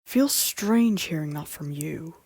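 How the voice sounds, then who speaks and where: A woman acts as a young king sunk in bitterness and despair. The voice is dark and breathy, recorded very dry. He broods cynically, a wounded royal in a theatrical audio drama. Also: low voice, lively intonation, takes it slowly, dry recording, exaggerated voice. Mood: bitter, weary. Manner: brooding, swings between muted and outbursts. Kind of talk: audio drama acting of a Shakespeare-style story.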